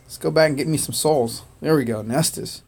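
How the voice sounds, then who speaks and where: A man born in Korea whose first language was Korean, chatting casually on a game livestream, thanking viewers by name and filling pauses with "uh" and "man". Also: on the high side, creaky, darkish tone. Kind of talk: casual gaming livestream chat.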